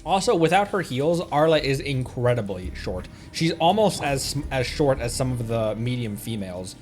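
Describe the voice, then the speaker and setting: Man, casual livestream chat, playful, animated intonation, rambling, faint background music. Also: medium pitch, normal speed. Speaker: streamer. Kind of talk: casual game livestream chat, reading dialogue aloud. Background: faint game music.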